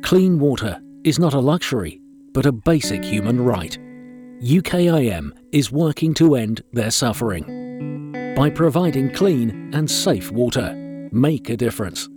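Man, charity appeal voice-over, earnest, animated pitch, guitar music bed. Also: extremely slow.

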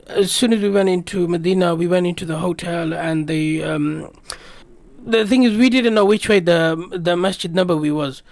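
A man's voice: high-pitched, moderate pace, no room sound. A man in a radio interview who talks in an earnest, reflective, rambling way about a trip. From Britain. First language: English. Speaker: radio guest. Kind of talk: personal travel recollection in a radio interview.

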